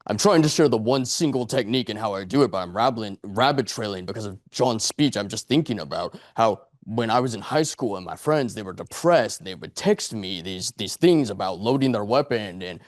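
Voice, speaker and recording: A man's voice: lowish voice, animated, fairly quick, few pauses, dry recording, studio quality. A man in his late twenties giving a motivational speech to a live audience, earnest and rambling, leaning on repetition and rhetorical questions. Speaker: public speaker at a speakers club. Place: meeting room before an audience.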